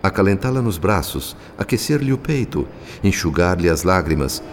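A man with a Brazilian accent giving solemn, literary, scripted narration for a radio soap opera. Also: deep voice. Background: background music.

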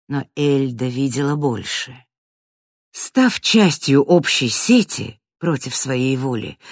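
Audiobook narrator, measured and dramatic, hushed-to-loud swings, dry studio sound. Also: mid-range voice, no room sound. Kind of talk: scripted fantasy narration.

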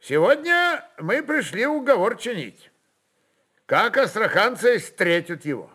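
A man voicing a bold, insolent Cossack envoy who declaims deliberately in an audio story. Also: sits high, sing-song, bright, forceful tone, voice pushed up, heavily acted. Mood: bold demanding.

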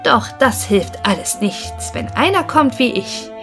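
A woman's voice: fairly high pitch, big pitch swings, measured pace, fairly bright tone, faint music behind, full character voice. A woman voicing a cheeky, boastful little male tailor in a fairy-tale audiobook, sounding sure of himself. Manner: boastful, self-assured.

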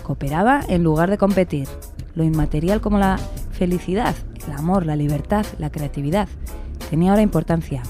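A woman's voice: on the low side, a little fast, dark tone, soft background music, close to an everyday voice. A woman in a radio play narrating a hopeful tale in an earnest, scripted storytelling style. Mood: earnest, measured.

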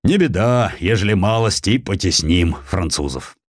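A man's voice: low-pitched, animated, moderate pace, no echo, studio quality. A man voicing a brash, defiant male Cossack adventurer in an audiobook, with bluff, commanding delivery. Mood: carefree. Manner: loud, bluff commands and careless boasts.

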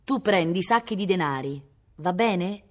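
A woman voicing rough young men who bully a bandit, insistent and taunting. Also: fairly low pitch, animated, normal speed, a little mellow, voice pushed up.

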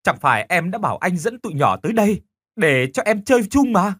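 Guilt-stricken teacher, pleading and stammering, voiced by a man; husky, animated pitch. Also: fairly quick, dry recording, clean studio sound, exaggerated voice. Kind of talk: horror audiobook reading.

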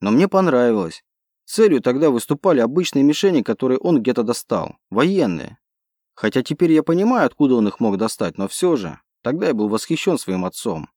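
Male audiobook narrator, middle pitch, dead-dry booth, steady read. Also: a little fast, no echo. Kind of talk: scripted narration of a sci-fi novel.

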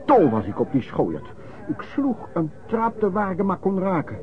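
An actor playing a rough, hard-drinking vagrant pedlar who reminisces in colloquial, old-fashioned, hesitant anecdotes in a Dutch radio play. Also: male voice, high-pitched, wildly swooping pitch, normal speed, crowd noise. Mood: agitated. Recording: dull, lo-fi radio play recording.

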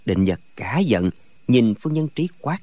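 A man narrating a martial arts novel as an audiobook, with expressive storytelling. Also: mid-range voice, unhurried, no echo.

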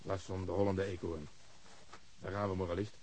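Male actor as swaggering detective, lowish voice, mocking, sardonic, radio drama, faint background noise. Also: little pitch movement, moderate pace, darkish tone, close to an everyday voice. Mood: taunting. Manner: mocking, taunting, chuckling. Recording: dull radio drama recording, noisy background.

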